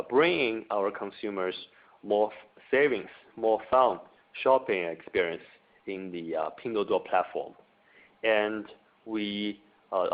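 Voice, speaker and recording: A man moderating and translating on a formal earnings call. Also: fairly low pitch. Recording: tinny narrowband phone line.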